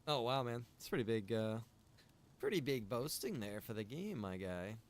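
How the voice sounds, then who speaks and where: A man chatting casually on a game livestream, rambling and thinking out loud. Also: medium pitch, expressive, normal speed. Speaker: game streamer. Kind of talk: casual livestream chat while gaming.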